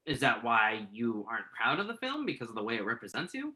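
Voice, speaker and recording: A man's voice: medium pitch, huge pitch swings, quick pace, bright, forceful tone. A man acting the part of a nervous, earnest entertainment journalist in a conversational play reading, tentative and thoughtful as he interviews. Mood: curious, probing. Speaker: actor in a virtual staged reading.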